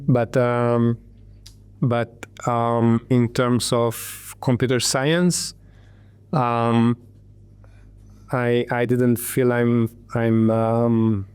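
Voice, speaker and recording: A man from Hungary in his thirties, a tech entrepreneur telling his story in an interview, halting with many ums and restarts. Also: medium pitch, fairly even intonation, darkish tone, clean tone, no room sound.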